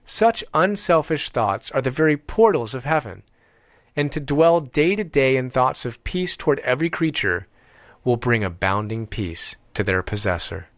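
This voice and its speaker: A man reading an audiobook in a deliberate, measured way with emphatic pauses. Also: mid-range voice, lively intonation, no echo, clean studio sound. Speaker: audiobook reader. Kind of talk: scripted audiobook narration.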